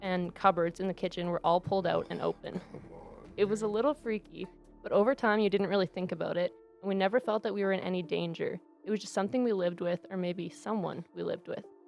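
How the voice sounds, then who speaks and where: A woman speaks at a medium pitch and a very fast pace with fairly even intonation, with music playing in the background. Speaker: podcast co-host. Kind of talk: scary story reading.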